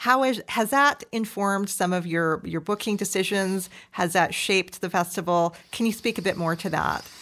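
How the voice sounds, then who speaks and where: An ordinary speaking voice from a woman, medium in pitch with ordinary pitch variation, a moderate pace, and hardly any pauses, on a very clean recording with a silent background. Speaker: podcast co-host. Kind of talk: interview.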